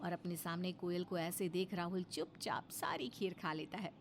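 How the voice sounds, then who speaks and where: A woman narrating a cartoon story in an expressive storytelling manner. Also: fairly low pitch, normal speed, a little hiss or hum.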